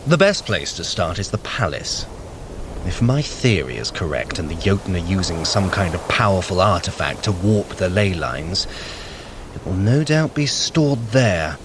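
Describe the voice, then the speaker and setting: An actor playing a sly, haughty trickster god in an audio drama, sardonic, clipped and impatient. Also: male voice, low-pitched, sing-song, moderate pace, background noise. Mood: instructing, superior.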